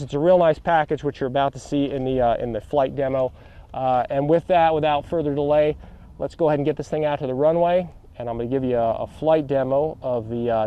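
A man's voice: medium pitch, lo-fi sound, slight background noise. A middle-aged man outdoors on a grassy field, presenting a model aircraft and then commentating its flight, full of fillers and eager asides to viewers. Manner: filler-heavy, eager, talks straight to viewers. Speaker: model aircraft reviewer and pilot. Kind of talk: product demo and flight commentary.

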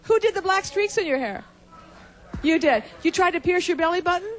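A middle-aged woman hosting a daytime talk show, questioning guests in a brisk, pointed way and often cutting in, speaking into a handheld mic in a studio. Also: extremely high pitch, expressive. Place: TV studio with a live audience. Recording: studio audience chatter behind.

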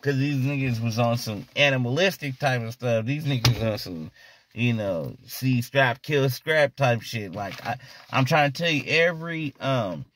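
A man's voice: mid-range voice, animated, a little slow, a bit bright, a little hiss or hum. A man telling street stories in a casual, rambling monologue, often checking in with "you know what I mean". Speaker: storyteller.

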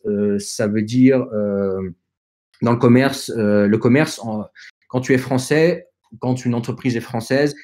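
A man whose first language is not French speaks as a guest on a podcast, offering plain advice to younger listeners. His delivery is hesitant and full of fillers and restarts, but earnest and direct. His voice sits at an ordinary middle pitch. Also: a little mellow. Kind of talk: conversational advice in an interview.

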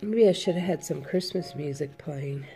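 A woman with a cold, sniffling a little, slowly listing her handmade headbands for sale from home. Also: low-pitched, warm tone, breathy edge, faint music behind. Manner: slow, unhurried item-by-item listing. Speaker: crafter selling handmade headbands. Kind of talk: casual product walkthrough.

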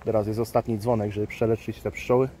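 A man's voice: fairly low pitch, little pitch movement, fast, dark tone, a little hiss or hum. A man, a beekeeper, casually explaining his work at the hives as he films, thinking aloud with fillers. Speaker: beekeeper and channel host. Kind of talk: casual hands-on explainer vlog. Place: outdoors at beehives. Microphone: handheld phone camera. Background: faint outdoor ambience with buzzing bees.

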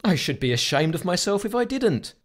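A woman's voice: lowish voice, very animated, a little fast. A woman voicing a cocky, slightly dishonest English teenage boy in an audiobook. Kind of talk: audiobook character dialogue.

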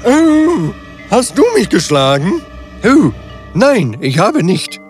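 Grumpy, dim giant acted by a man, pitched up and blustering, fairy tale with music. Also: big pitch swings, takes it slowly, full character voice. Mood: annoyed, accusing. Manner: blustering, argumentative. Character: grumpy, quarrelsome, slow-witted male giant. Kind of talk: children's fairy tale voice acting. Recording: music behind the voice.

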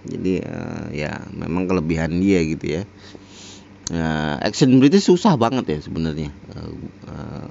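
Deep-voiced man rambling casually. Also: gravelly, a little mellow, dull audio, a little hiss or hum. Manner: rambling, many fillers, chuckles often. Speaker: reaction video host. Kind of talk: casual reaction commentary.

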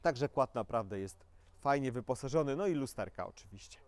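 A young man presenting a quad bike for a dealership, reading out its specifications in a steady, matter-of-fact way and inviting viewers to subscribe. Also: mid-range voice, fairly quick, dry recording. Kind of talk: product presentation.

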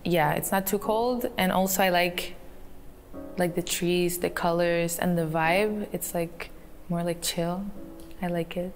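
A teenage woman from Canada answering interview questions in a soft, giggly way with many ums, filmed in a photo studio. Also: fairly low pitch, fairly even intonation, measured pace. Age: teens. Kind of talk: recorded profile interview. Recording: clip played with faint music.

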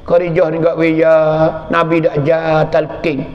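A man's voice: on the high side, monotone, measured pace. A man preaching with a Pattani Malay accent, telling a story dramatically and repeating phrases. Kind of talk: storytelling sermon. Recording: echoey hall, dull lo-fi sound.

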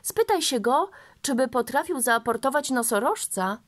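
A woman voicing a calm, kindly father who speaks reassuringly and with good humor. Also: high voice, normal speed, dry recording, voice pushed up.

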